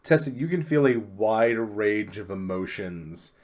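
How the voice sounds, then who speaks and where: Low-voiced man running a tabletop game. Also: unhurried. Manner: relaxed, rambling narration with laughs. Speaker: game master.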